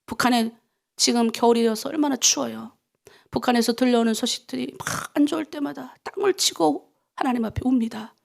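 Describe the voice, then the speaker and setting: A middle-aged woman pastor from North Korea leads an early-morning prayer sermon. Her voice sits high with a gravelly, fried edge. She preaches fervently, sinking into hushed whispers and rising into pleading cries. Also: a little fast.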